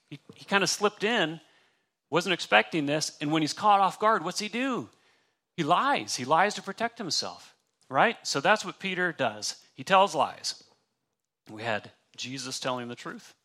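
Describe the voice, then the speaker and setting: A man's voice: mid-range voice, pushed and bright. A man preaching a sermon in a conversational, emphatic way, acting out the lines he quotes. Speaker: pastor.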